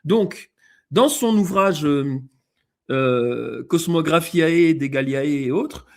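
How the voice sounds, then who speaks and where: Slow and gravelly, with a slightly high voice, a man speaking French in a non-native-sounding accent appears as a guest presenter. He reads passages aloud and talks through slides, often using fillers and starting over.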